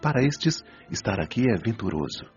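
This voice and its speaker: A patient, didactic spirit counsellor in a Brazilian radio drama, acted by a man. His voice is deep and animated, gently admonishing as he teaches. Music plays under the slightly dull recording. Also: moderate pace. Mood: solemn, teaching. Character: patient, wise male spirit doctor counselling souls. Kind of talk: Brazilian audio drama acting. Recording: dull lo-fi audio, music behind.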